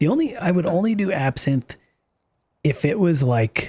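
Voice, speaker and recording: A somewhat breathy man speaks fairly slowly with very wide pitch swings. The sound is dry and close, with no echo. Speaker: livestreamer. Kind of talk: casual livestream chat reading viewer comments.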